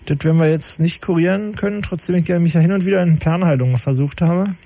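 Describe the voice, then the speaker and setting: A man's voice: a little high, fast talker, vocal fry, dark tone. A man hosting a late-night call-in radio show from the studio, chatting with callers in a dry, ironic, teasing way.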